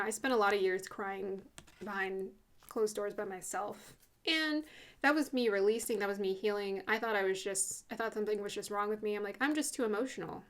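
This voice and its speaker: Earnest chatty woman reading cards. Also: medium pitch. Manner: earnest, chatty, with soft laughs and fillers. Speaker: spiritual reader doing a tarot card reading. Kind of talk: casual channeled card reading.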